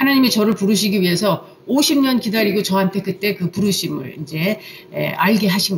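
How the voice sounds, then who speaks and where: With noticeable background noise behind her, a woman speaks at a fairly quick pace in a medium pitch with ordinary pitch variation. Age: 60s. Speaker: pastor. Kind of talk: sermon. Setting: church. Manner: conversational with fillers.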